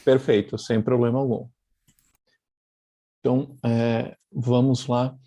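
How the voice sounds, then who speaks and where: A man's voice: mid-range voice, flat delivery, slow, mellow, dry recording, studio quality. A man from Argentina with a light Argentine accent, giving an online talk over a video call, thoughtful and full of fillers and restarts. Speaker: guest speaker, publisher. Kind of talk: online lecture presentation.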